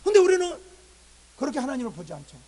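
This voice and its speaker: A man's voice: very high voice, wildly swooping pitch, fast talker, dark tone, low-quality recording. A male pastor preaching a sermon, repeatedly asking the congregation rhetorical questions and answering them emphatically. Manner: voices God and complaining believers in raised tones.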